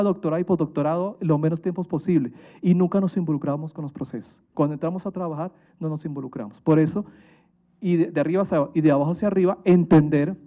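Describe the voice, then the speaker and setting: A man's voice: a little high, mellow. A Colombian man, a priest, giving a motivational talk to families and staff, emphatic and full of rhetorical questions.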